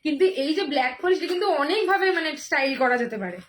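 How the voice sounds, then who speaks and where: Hoarse, high-voiced woman; live jewellery seller; chatty, repetitive pitch with lots of fillers. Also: lively intonation. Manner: repetitive, chatty, drawn-out phrasing with many fillers.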